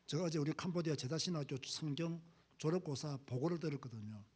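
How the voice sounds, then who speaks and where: A middle-aged male pastor preaching a sermon, emphatic, dropping to low asides and rising to loud exhortations. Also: quick pace, breathy edge.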